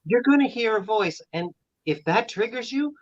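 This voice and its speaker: A woman's voice: on the high side, expressive, moderate pace, lo-fi sound. A trans woman guest on a casual podcast chat, blunt and opinionated. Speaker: guest, trans support group leader.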